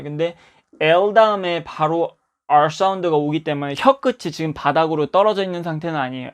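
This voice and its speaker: A man teaching English pronunciation, explaining tongue positions and repeating example words slowly to demonstrate. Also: a little high, clear, resonant tone.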